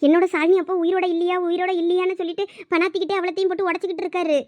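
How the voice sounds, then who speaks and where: Woman doing a worried young girl, super high and rushed. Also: level tone, a little mellow, no room sound. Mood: anxious. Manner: urgent, anxious.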